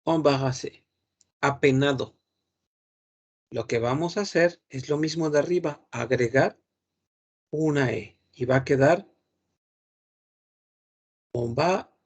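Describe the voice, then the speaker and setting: Pitched in the middle range, this man's voice moves at a measured pace with long pauses. Teaching French grammar online, he stays patient, says each word again and again, and hums as he works things out.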